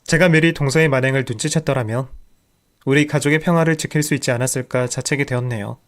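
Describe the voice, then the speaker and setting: A man's voice: medium pitch, fast, fairly bright tone. A man narrating a scripted first-person family story in a dramatic, emphatic way.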